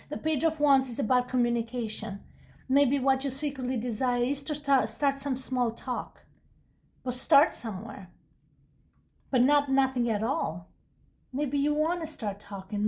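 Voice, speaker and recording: A woman with a slightly higher voice and a non-native English accent talks through a tarot reading. She rambles casually, often restarting sentences and wandering into personal asides. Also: a little mellow. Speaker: tarot reader.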